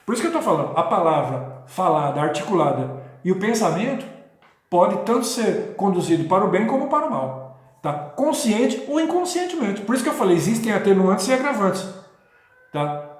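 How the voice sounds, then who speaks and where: A man's voice: high voice, very animated, brisk. A man talking in a rambling, casual way with many restarts and checking questions, as host of his own video. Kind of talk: casual spoken talk on spirituality. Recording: very echoey room.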